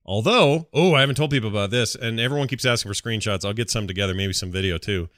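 A man's voice: on the low side, fast talker, fairly bright tone, dry recording, studio quality. A man hosting a gaming podcast, chatting casually and with informal enthusiasm. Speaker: podcast host.

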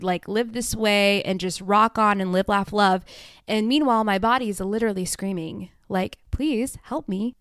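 A young woman hosting her own podcast, talking frankly and oversharing, swearing freely and mimicking herself in high, silly voices. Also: fairly bright tone, clear, resonant tone, no echo, studio quality. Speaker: podcast host. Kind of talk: candid solo podcast monologue.

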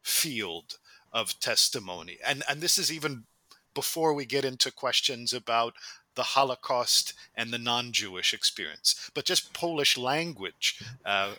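Very bright, dry-sounding male interviewer. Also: mid-range voice, expressive, no room sound. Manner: measured, thoughtful, articulate. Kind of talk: academic interview questioning.

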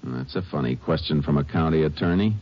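A man's voice: very deep voice, brisk, dull audio. An actor playing a firm, laconic Texas Ranger lawman in 1950s radio western style, on an old noisy recording. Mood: firm, official. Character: authoritative, steady Texas Ranger lawman, male.

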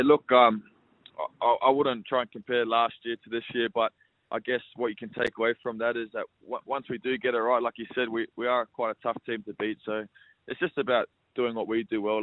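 Young Australian male athlete, brisk and monotone, phoned in over a tinny line. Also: mid-range voice, dry recording. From Sydney, Australia. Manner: relaxed, repeats words, says mate often. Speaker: rugby league player. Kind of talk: phone interview.

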